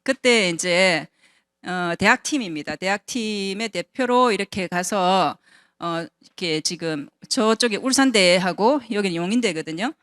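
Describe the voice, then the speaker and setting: Speaking conversationally at a business seminar where she's an invited guest, a woman in her fifties gives her personal testimony and asks the audience rhetorical questions. The clean studio recording captures a medium-pitched, slightly bright voice without room sound.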